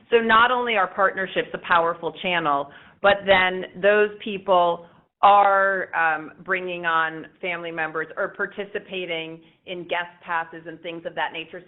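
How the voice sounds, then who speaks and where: A woman speaking as a company executive, answering questions on an earnings call in emphatic corporate phrasing. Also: mid-range voice. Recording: tinny phone-line conference call.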